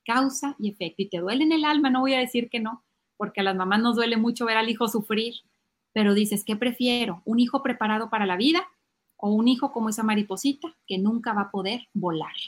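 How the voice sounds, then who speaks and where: A woman's voice: a little high, brisk. A middle-aged woman giving parenting advice on a podcast, acting out little family scenes. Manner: lively, acts out child and parent voices. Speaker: podcast guest speaking on parenting.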